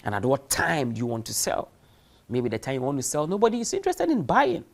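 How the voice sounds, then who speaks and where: Brisk and creaky, his mid-range voice swoops wildly in pitch as the man gives a recorded university lecture for distance learners. He speaks with emphasis, asks rhetorical questions, and acts out examples.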